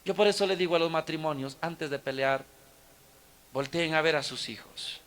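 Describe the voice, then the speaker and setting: A man's voice: a little high, normal speed, a bit bright. A man, a Catholic preacher telling a story in a sermon, dramatic and exhorting, acting out the dialogue.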